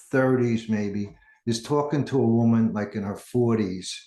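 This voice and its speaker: A man with a Long Island accent talks at a moderate pace, his pitch varying in an ordinary way. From Long Island, New York. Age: 70s. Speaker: songwriter. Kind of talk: interview.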